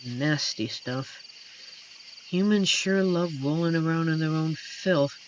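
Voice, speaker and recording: A performer voicing an amiable, shy werewolf forest protector in a roleplay audio drama, speaking gently and hesitantly with earnest pauses. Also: mid-range voice, natural voice. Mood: shy, wry. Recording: noisy track with night cricket ambience. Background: crickets and night forest insect ambience.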